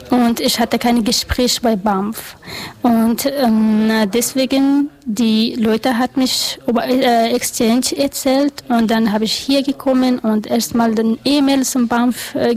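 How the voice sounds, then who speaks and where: A woman's voice: a little high, rough recording. A woman who volunteers as an interpreter, speaking hesitant non-native German with many fillers. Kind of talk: interview statement.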